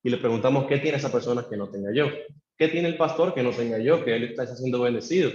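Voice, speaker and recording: A man's voice: fast, darkish tone. A man preaching a sermon in church, acting out pleading prayers and leading the congregation in call-and-response. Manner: acts out a believer's pleading prayers to God. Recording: echoey church room, dull low-fi sound.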